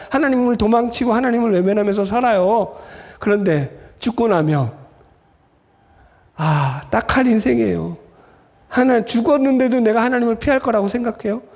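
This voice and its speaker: A man's voice: very high voice, darkish tone. A man pastor giving an expository sermon in a conversational way, often asking the congregation questions. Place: church sanctuary. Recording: long church hall reverb.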